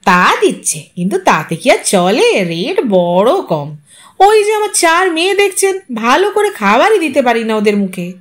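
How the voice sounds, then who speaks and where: A woman's voice: sits high, big pitch swings, a little slow. A woman voicing a scrawny, money-grubbing poor husband who fawns, whines and haggles in an audio story. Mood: obsequious whining. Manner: obsequious, whining, haggling.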